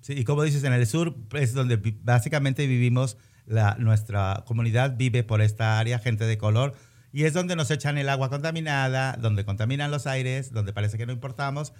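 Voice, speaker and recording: A man's voice: medium pitch, moderate pace, a little mellow. Chatty male host. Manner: chatty, joking, restarts phrases often. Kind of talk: casual radio interview.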